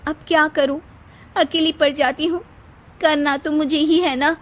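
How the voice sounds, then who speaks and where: Brief: a woman doing a high, whiny, sugary young wife who schemes, storybook tone. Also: fairly even intonation, a little slow, fairly bright tone. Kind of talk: storybook character voice.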